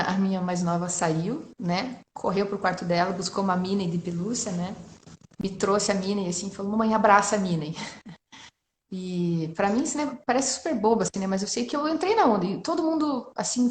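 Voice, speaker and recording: A woman in her thirties from Brazil, telling a personal story in a casual, emotional way with frequent tag questions. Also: medium pitch. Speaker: entrepreneur guest sharing testimony. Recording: roomy echo.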